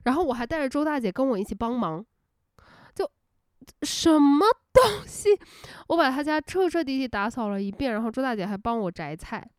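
A woman hosting an unscripted casual rant, telling stories in an animated way, laughing often and dropping English words into her talk. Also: fairly high pitch, fast, hardly any pauses, smooth, no room sound, clean studio sound. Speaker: host.

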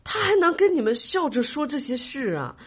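A woman's voice: sits high, very animated, moderate pace. A woman podcast host in casual chat, teasing and inquisitive, often cutting in. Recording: dull lo-fi audio.

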